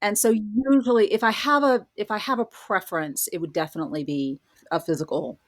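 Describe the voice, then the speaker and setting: A woman's voice: mid-range voice, brisk. A woman speaking as an interview guest, explaining things in an informal, conversational way. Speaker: podcast guest, writer. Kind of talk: casual interview chat.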